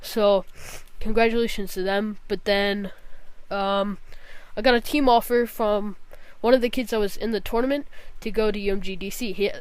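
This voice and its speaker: A woman's voice: mid-range voice, fairly even intonation, normal speed, clear, resonant tone, dry recording, low-quality recording. A young woman with a nasal, congested voice from a cold, giving a casual, rambling gaming vlog. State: sick with a cold, scratchy throat, nasal. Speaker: gaming vlogger.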